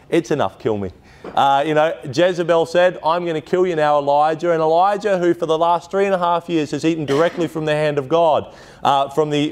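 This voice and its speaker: Male preacher, slightly high voice, loose conversational sermon delivery with asides. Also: a little mellow. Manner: conversational storytelling with frequent asides and restarts.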